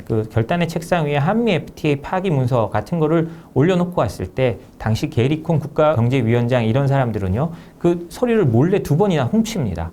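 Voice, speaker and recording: A man, an author being interviewed as a guest, giving measured and emphatic analytical explanations. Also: fairly high pitch, dark tone, a little hiss or hum.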